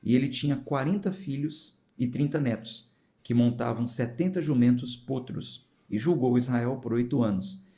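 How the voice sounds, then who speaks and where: A pastor from São Paulo reads scripture and talks it through in a relaxed, chatty way, turning aside to address his listeners. He has a São Paulo accent and a dark, mellow tone. His pitch sits in an ordinary middle range for a man. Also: normal speed. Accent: São Paulo Portuguese. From São Paulo, Brazil. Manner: conversational, explains with informal asides to viewers. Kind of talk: Bible reading with explanatory commentary.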